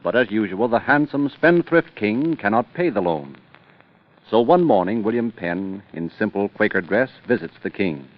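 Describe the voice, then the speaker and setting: A man's voice: fairly low pitch, animated, moderate pace. A male narrator telling a historical story in dramatic radio style. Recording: lo-fi old radio transcription with music underneath.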